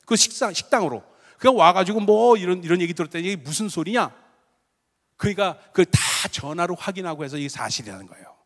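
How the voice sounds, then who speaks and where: A middle-aged man, a pastor, preaching a sermon and telling stories, moving from loud bursts to quiet low asides. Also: lively intonation, quick pace. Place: large church sanctuary. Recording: long hall reverb.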